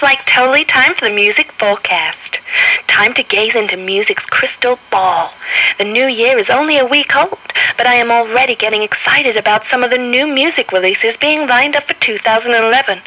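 A woman's voice: on the high side, pushed and bright, poor audio. A woman playing a gushing young music pundit in a chatty radio preview.

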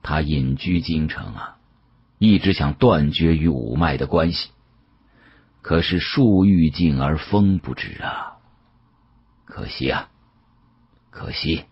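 Man voicing a very deep, husky old patriarch. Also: animated, muffled recording, full character voice. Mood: wistful. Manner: measured, sighing, avuncular. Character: kindly, shrewd old family patriarch, measured.

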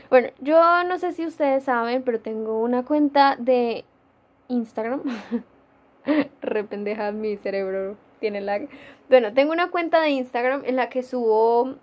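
A woman's voice: fairly high pitch, darkish tone. A young woman with a Colombian accent chatting casually in a dim room at home, answering viewer questions with many fillers and frequent laughs. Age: young adult. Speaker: gaming YouTuber. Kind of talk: casual Q&A vlog.

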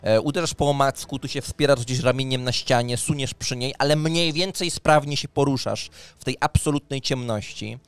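A man narrating a tabletop role-playing game as game master, pausing deliberately as he describes scenes. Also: medium pitch, clean tone, no room sound. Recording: music under the voice. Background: background music.

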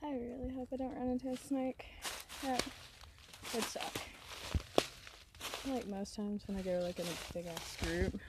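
A woman's voice: on the high side, level tone, measured pace, long pauses. A young woman chatting casually to her phone camera as she walks alone through wooded hills, rambling and swearing. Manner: chatty, cussing, rambling aside comments. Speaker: vlogger. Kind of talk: casual chat while hiking. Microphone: phone camera held low. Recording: loud outdoor noise on phone mic.

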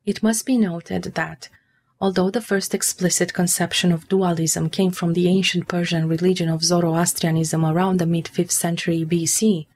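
A woman giving scripted narration in a measured, formal storytelling manner, as in an explainer on myth and folklore. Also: fairly low pitch, little pitch movement, a little mellow. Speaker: narrator of a mythology video.

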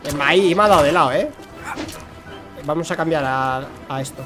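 Young guy streaming a game, high voice, talks at the bugs, faint music behind. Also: moderate pace. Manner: excitable, talks to himself and the creatures. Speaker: gaming streamer. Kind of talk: live gameplay commentary.

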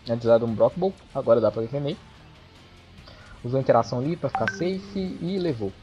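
A man with an excitable, chatty manner who swears often, commentating a fighting-game match for his channel. His voice comes through the dull, lo-fi sound of an old microphone. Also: medium pitch, fairly quick. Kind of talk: casual esports match commentary. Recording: dull lo-fi microphone, faint music behind.

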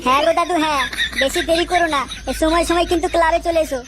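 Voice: extremely high pitch, fairly even intonation, racing, background noise. A performer voicing a brash, sly small youngster in a comedy cartoon, blunt and slangy in speech. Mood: cheeky, confident.

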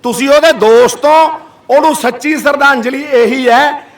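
A middle-aged man speaks in a very high voice, addressing a crowd with fiery rhetorical questions. He is picked up from some distance away from the mic. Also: steady tone, normal speed. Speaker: activist. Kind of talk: speech to a gathered crowd.

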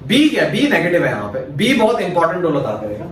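A male math teacher with a Pakistani Urdu accent lectures a class quickly, his fairly high voice swinging hugely in pitch as he explains step by step and answers his own questions. The room is very echoey, he sounds far off, and there's a little hiss or hum.

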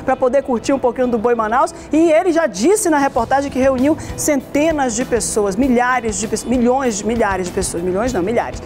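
A woman's voice: fairly high pitch, a little mellow. A Brazilian woman in her thirties presenting TV news conversationally in a studio, with emphatic, repeated phrases.

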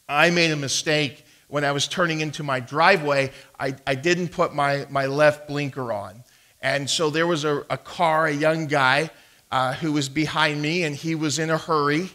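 A man's voice: a little high, bright, forceful tone. A man, preaching a sermon as a pastor and telling a personal story, emphatic, with frequent restarts. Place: church sanctuary.

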